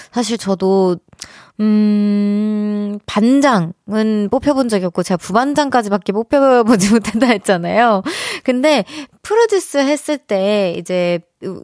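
A woman's voice: mid-range voice, a little mellow, no echo, clean studio sound. A young adult woman hosting a radio show, reading listener messages in a chatty way and laughing often between stories. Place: radio studio.

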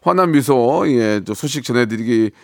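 A man's voice: mid-range voice, animated, normal speed, creaky, dry recording, studio quality. A man hosting a live radio quiz like a game show host, chatting casually and repeating phrases for emphasis.

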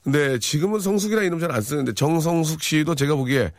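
A man's voice: on the high side, fast, creaky, no room sound, studio quality. A man in his forties hosting a radio show, reading listener messages in a playful, jokey chat and acting out little voices.

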